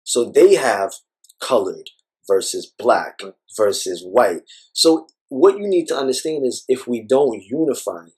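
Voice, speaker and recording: A man's voice: medium pitch, very animated, measured pace, darkish tone, breathy edge. A man speaking as an interview guest, talking thoughtfully in a rambling way with many fillers. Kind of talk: reflective personal conversation.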